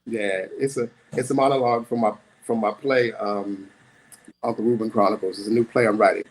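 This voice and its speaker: Husky middle-aged guy at an open mic, dramatic storytelling with lots of repetition. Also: fairly low pitch, fairly even intonation, brisk, poor audio. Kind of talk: spoken-word storytelling.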